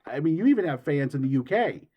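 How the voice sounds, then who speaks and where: A man's voice: fairly high pitch, big pitch swings, fast, husky, muffled recording. A man co-hosting a casual podcast chat, teasing and joking as he asks questions. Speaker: podcast co-host.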